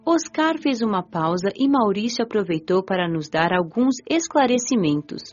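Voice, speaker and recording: A curious young woman's spirit, voiced by an actress narrating a radio drama with gentle, lively intonation. Faint music plays under slightly dull audio. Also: medium pitch, normal speed, close to an everyday voice. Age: young adult.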